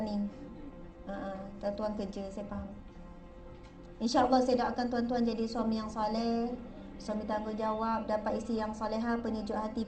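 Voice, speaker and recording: A woman's voice: medium pitch, far from the mic. A woman with a Malaysian Malay accent giving a chatty religious lecture, often asking her audience questions. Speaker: religious speaker.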